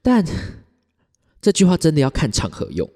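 A man's voice: fairly high pitch, moderate pace. A man, hosting a podcast and telling a story in casual chat, often laughing. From Taiwan. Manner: animated, laughs often, acts out quoted arguments. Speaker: podcast host. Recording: echoey room with long reverb.

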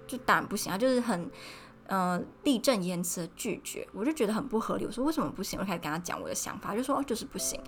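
A young woman tells a personal story in a casual podcast monologue, acting out the people she quotes in a higher voice. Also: racing, a little hiss or hum. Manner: animated, acts out quoted people with raised pitch. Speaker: podcast host.

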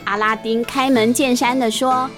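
Narrating a children's storybook, this woman storyteller and host keeps it chatty, pausing for explanatory asides and sentence-final particles. Her voice sits a little high, with fairly even intonation at a normal speed. Faint music plays behind her.

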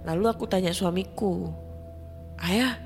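A woman with a fairly low voice tells a first-person horror story in a tense, hushed manner. Music plays clearly underneath her narration. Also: fairly even intonation, unhurried.

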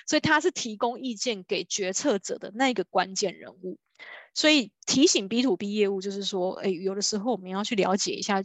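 This Taiwanese woman speaks at medium pitch in an echo-free recording. Presenting a book on B2B sales, she keeps it loose and lecture-like, sprinkling in 哈 and 哦 and performing the voices of those she quotes.

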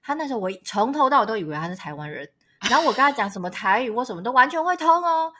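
A woman from Taiwan living abroad, co-hosting a podcast and telling stories in lively casual chat, laughing often. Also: a little high, racing. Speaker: podcast co-host. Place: lives in Australia.

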